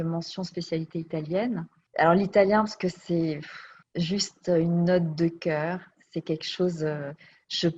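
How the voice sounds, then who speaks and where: A woman's voice: on the low side, a little mellow, a little hiss or hum. A woman telling her life story as an interview guest. She speaks reflectively and searches for her words. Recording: dull lo-fi recording.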